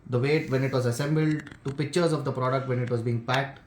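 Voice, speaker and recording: A man's voice: mid-range voice, steady tone, fast, darkish tone. A man in his thirties with an Indian accent, casually explaining and demonstrating a product he helped develop. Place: hotel room, indoors. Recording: echoey room with noticeable background noise.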